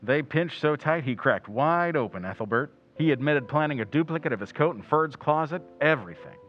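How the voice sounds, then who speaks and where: An actor playing a sharp, confident crime photographer sleuth in slangy, hard-boiled 1940s radio drama style. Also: male voice, on the high side, animated, fairly quick, dull audio, lightly acted. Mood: brisk, wry.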